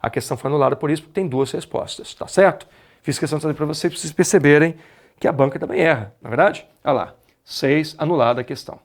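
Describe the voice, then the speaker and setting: High-voiced Brazilian man teaching a class. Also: quick pace. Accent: Brazilian Portuguese. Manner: explains step by step, asks the class rhetorical questions. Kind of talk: exam-prep lecture.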